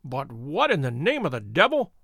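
A man voicing a calm, imperturbable detective who speaks with dry wit. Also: a little high, moderate pace, husky, no room sound, full character voice. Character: cool, witty adult male detective, calm and bland.

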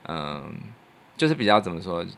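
A man with a Taiwanese Mandarin accent chatting casually and in an animated, opinionated way as a podcast host. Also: deep voice, normal speed. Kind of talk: casual chat.

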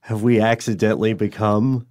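Male podcast co-host, lower-pitched voice, conversational delivery, close dry studio sound. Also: little pitch movement, moderate pace, a little mellow, no echo. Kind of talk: conversational interview and show sign-off.

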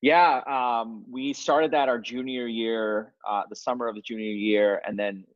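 A man from Bangladesh raised in New York, a guest entrepreneur telling his stories in an energetic, self-deprecating way. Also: medium pitch, measured pace, no echo, muffled recording. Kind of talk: casual interview storytelling.

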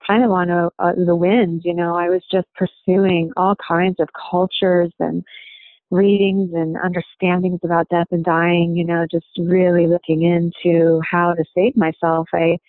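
A woman speaks in a level, even tone that barely rises or falls. She talks reflectively and haltingly, filling her pauses with "you know." The sound is thin and phone-like, with no room echo at all. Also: on the low side. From United States. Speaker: interviewee. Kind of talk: personal storytelling. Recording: dry, tinny phone-like sound.

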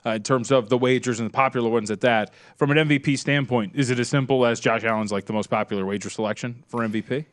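Young co-host dude, talks super quick and curious, dry sound. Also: male voice, mid-range voice, fairly even intonation, no room sound. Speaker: podcast co-host. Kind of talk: casual podcast chat.

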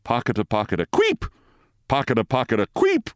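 A man voicing a big failing machine with rhythmic chugging and high squeaky noises, in a storybook reading. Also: wildly swooping pitch, brisk, no echo, clean studio sound. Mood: mechanical, insistent.

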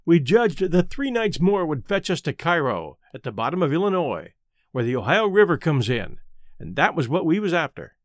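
A man's voice: a little high, sing-song, normal speed, dry recording, clean studio sound. A man reading an audiobook as a plain-spoken, matter-of-fact Southern boy telling his own story. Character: Huck, a folksy, matter-of-fact adolescent Southern boy narrator. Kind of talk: first-person audiobook narration.

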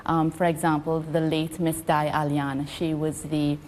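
A woman from Trinidad and Tobago, an ambassador answering interview questions in a measured, diplomatic, informative manner. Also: low-pitched, level tone, a little mellow, long reverb tail, a little hiss or hum.

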